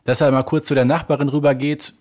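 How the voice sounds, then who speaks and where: Slightly husky man, colloquial podcast co-host. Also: fairly high pitch, level tone, fast talker, darkish tone. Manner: colloquial, emphatic, uses punchy idioms. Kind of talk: casual conversational podcast discussion.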